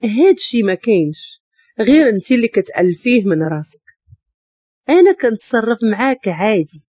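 Moroccan woman voicing cold young husband, flat and dismissive, husky, dry sound. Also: on the high side, a little fast, no echo.

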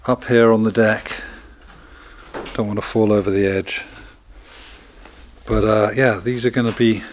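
A man's voice: on the low side, fairly even intonation, a little slow, slight background noise. A middle-aged man speaking casually and in an understated way, filming a handheld video diary inside a large barn. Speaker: vlogger building a recording studio in a barn. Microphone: handheld camera at arm's length.

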